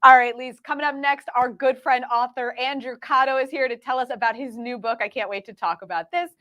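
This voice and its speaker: A woman co-hosts a morning television talk show. Her voice sits a little high. She asks her questions in a loose, rambling way, full of fillers and restarts. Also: fairly even intonation, a little fast, fairly bright tone. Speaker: co-host. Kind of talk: morning TV interviewing.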